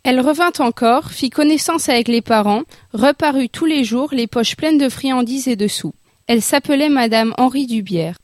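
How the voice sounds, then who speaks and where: A woman narrating a classic story in a flowing, even manner. Her voice sits fairly high and is recorded close and dry. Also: normal speed, no room sound. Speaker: audiobook narrator. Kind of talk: literary audiobook reading.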